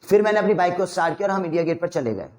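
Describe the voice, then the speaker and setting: A man with an Indian accent teaching a spoken English lesson, mixing Hindi with English and coaxing learners through rapid drills. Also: high-pitched. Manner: energetic, coaxing drill instructor.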